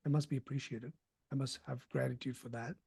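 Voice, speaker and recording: A man's voice: mid-range voice, steady tone, quick pace, gravelly, mellow, husky, no echo. A man hosting a group video call from his dining table, talking bluntly and swearing freely. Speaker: host.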